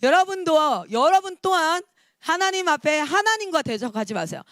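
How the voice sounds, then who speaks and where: A woman in her thirties, a missionary, preaching a lively sermon with emphatic calls and acted-out quotes. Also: very high voice, moderate pace, no room sound, clean studio sound.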